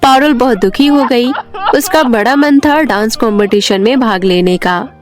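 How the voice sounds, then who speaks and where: A woman's voice: a little high, normal speed, soft background music. Woman narrating a bedtime story.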